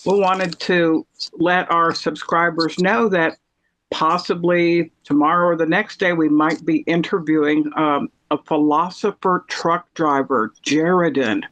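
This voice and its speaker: A woman's voice: deep voice, fairly even intonation, a little slow, fairly bright tone, low-quality recording. A woman hosting a podcast in a casual, conversational style of chat. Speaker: podcast host.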